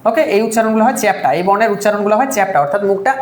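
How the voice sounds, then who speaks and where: A woman's voice: mid-range voice, rapid-fire, darkish tone, reverberant. A woman teaching a live online exam-prep class, drilling terms by repeating them and asking and answering her own questions.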